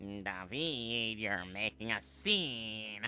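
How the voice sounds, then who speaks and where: A put-on character voice speaks at a low pitch. Clear background noise runs underneath. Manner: prissy, nasal, scolding.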